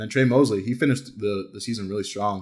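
Intonation stays fairly even in a plain, everyday voice. The recording is very clean, with a silent background. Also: man. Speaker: podcast co-host. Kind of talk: casual sports podcast chat. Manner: casual, conversational.

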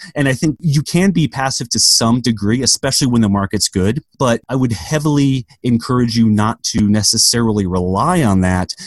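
A man uses a plain, everyday voice at a medium pitch, with lively intonation. He keeps a moderate pace with hardly any pauses, and the sound is dry and close with no echo. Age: 30s. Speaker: early retiree and blogger. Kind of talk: panel discussion.

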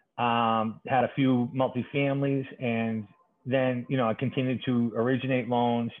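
Keeping very even loudness, a man of medium pitch talks at a moderate pace in a monotone, flat intonation. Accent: Boston. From Boston, Charlestown. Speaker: real estate lender. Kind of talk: interview. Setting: podcast.

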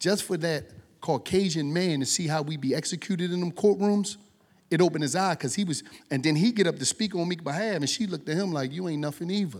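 A man with an American accent speaks at a very fast pace in a high voice with ordinary pitch variation. The recording is very clean, with a silent background.

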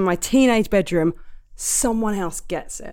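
A woman's medium-pitched voice with a southern English accent, ordinary pitch variation and a moderate pace. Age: 30s. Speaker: podcast host. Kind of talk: interview. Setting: remote call.

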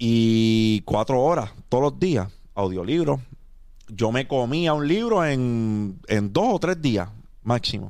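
Speaking with a Puerto Rican accent, a man talks at a very slow pace. His medium-pitched voice has lively intonation. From Puerto Rico (Río Grande). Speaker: podcast host. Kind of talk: casual interview chat.

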